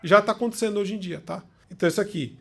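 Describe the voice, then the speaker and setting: A man's voice: sits high, very fast, gravelly, fairly bright tone, slightly rough. A man with a Brazilian Portuguese accent giving an informal explanatory talk as a lecturer, conversational and often checking in with his listeners. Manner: conversational, checks in with short tag questions.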